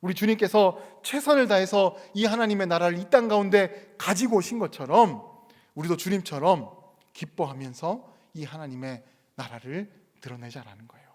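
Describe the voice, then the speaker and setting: A man's voice: sits high, lively intonation, normal speed, darkish tone, big-room sound. A male pastor preaching a sermon, chatty and storytelling at first, then earnest and urging. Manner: conversational storytelling, rising to earnest exhortation. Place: church sanctuary.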